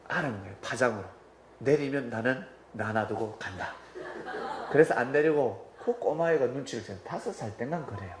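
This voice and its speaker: A man's voice: mid-range voice, slight background noise. A male pastor preaching a sermon in a church, telling stories animatedly and acting out voices. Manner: animated storytelling, acts out quoted voices. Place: church sanctuary. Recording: roomy hall with faint ambience.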